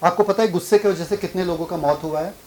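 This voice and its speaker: A man's voice: sits high, quick pace, darkish tone, poor audio. A man, a pastor, preaching a sermon and pressing the congregation with questions. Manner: questions the congregation and drives for answers.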